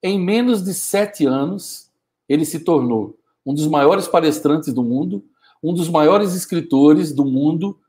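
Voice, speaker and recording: A man in his fifties giving a forceful, scolding motivational talk on a live stream, using an earphone mic in a small home studio. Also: on the high side, unhurried. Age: 50s. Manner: forceful, scolding, gestures a lot. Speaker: motivational speaker. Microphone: wired earphone mic, webcam framing.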